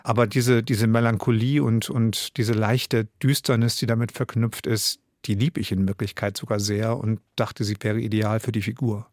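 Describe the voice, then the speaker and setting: A man's voice: on the low side, little pitch movement, normal speed, hardly any pauses, a little mellow, no echo. Reflective man, dry close studio sound. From Germany. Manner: reflective, searching for words with many restarts. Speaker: author and radio drama director, guest. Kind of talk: thoughtful interview answers.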